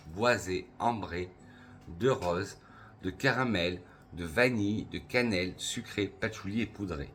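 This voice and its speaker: A man from France reviewing perfumes for his channel in a casual, enthusiastic way, slowly listing notes with pauses. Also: lowish voice, a little hiss or hum. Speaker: perfume youtuber.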